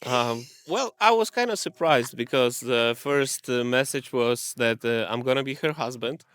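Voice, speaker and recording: A man's voice: mid-range voice, normal speed, fairly bright tone, clean tone, dry recording. A man in his thirties from Poland, speaking in an easygoing, slightly hesitant way in a casual interview. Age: 30s.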